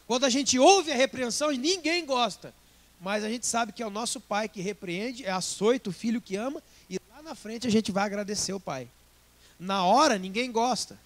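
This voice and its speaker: A Brazilian man preaching a sermon as pastor, lively and joking, slipping into quick acted asides. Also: extremely high pitch. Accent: Brazilian Portuguese.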